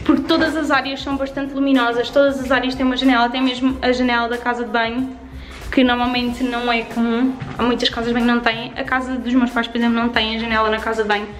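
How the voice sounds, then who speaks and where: A young woman in her twenties with a European Portuguese accent, chatting upbeat through a house tour vlog, filmed on a handheld camera in an empty flat. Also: a little high, fast, echoey room, faint music behind. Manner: chatty and upbeat, fond of diminutives. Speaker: vlogger. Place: empty renovated flat indoors. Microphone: handheld camera at arm's length.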